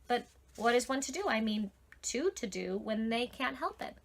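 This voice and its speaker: A woman voicing a polite, gentle young man in a storybook. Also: a little high, animated, normal speed. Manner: gentle, courteous.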